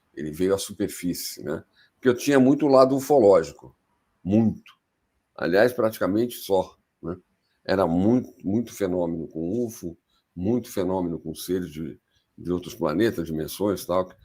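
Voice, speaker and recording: At a moderate pace, a man with a very deep, low pitch and a dark, mellow tone speaks with lively intonation and long, frequent pauses. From Brazil, São Paulo city. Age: 60s. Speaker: ufologist, contactee. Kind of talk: live stream interview. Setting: online live stream.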